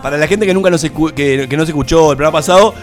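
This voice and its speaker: A man, co-hosting a radio show with quick-fire teasing banter. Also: a little high, faint music behind. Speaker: radio co-host. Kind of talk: casual studio banter.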